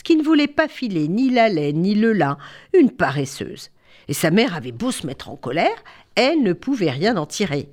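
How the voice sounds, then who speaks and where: A woman's voice: fairly high pitch, darkish tone. A woman telling a fairy tale to children, with chatty asides to her listeners. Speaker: storyteller. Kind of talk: children's storytelling.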